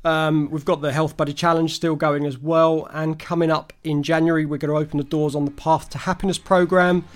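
Slightly croaky man hosting a podcast. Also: on the high side, level tone, fairly quick. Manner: chatty, upbeat, friendly promotional. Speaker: podcast host. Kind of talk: casual solo wrap-up talk.

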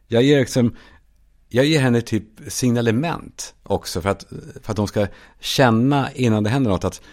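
A man hosting a solo comedy podcast, telling absurd stories in a deadpan way and now and then shouting out quoted lines. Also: medium pitch. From Sweden. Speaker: podcast host.

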